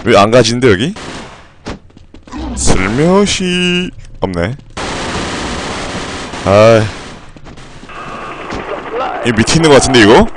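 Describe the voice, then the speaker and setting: A man streaming a zombie shooter, commenting live, muttering one moment and cursing loudly the next. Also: medium pitch, noisy background. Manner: excitable, swings between mutters and furious cursing shouts. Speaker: game streamer.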